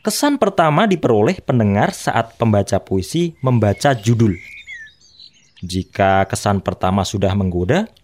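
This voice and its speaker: A man's voice: on the low side, normal speed. A man teaching students how to read poetry aloud, explaining patiently. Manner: patient, explanatory, lively intonation.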